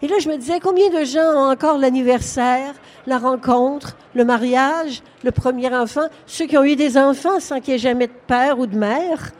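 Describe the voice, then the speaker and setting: A woman's voice: high voice, moderate pace, hardly any pauses. An older woman with a Québécois accent, a novelist talking frankly at a live book fair interview, laughing often. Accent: Québécois French. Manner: frank, laughing, animated storytelling. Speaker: novelist guest. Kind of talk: conversational interview on stage.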